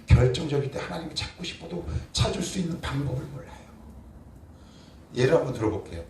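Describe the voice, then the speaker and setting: A male pastor with a rather high, lively voice preaches a sermon at a fast clip, asking rhetorical questions and answering them himself. He swings between quiet and forceful delivery, captured on a distant mic with a roomy echo and faint noise.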